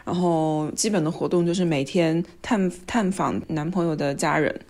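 A woman's voice: sits low, moderate pace. A woman co-hosting a casual podcast chat, telling stories with energy and acting out what others said. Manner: animated storyteller, acts out quoted speech. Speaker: podcast co-host.

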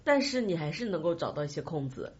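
A woman's voice: on the low side, sing-song, fast, a little mellow, slightly rough, dull audio. A woman hosting a casual podcast chat, prompting her friends and adding wry, teasing comments. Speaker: podcast host.

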